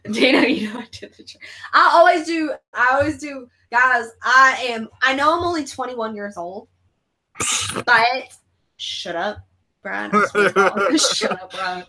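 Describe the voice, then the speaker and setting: A woman's voice: on the high side, unhurried, sharp tone, rough recording. A woman around thirty hosting a casual movie watch-along, crude and joking, reading out viewer comments. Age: 30s. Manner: crude, joking, reads chat comments aloud. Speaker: host.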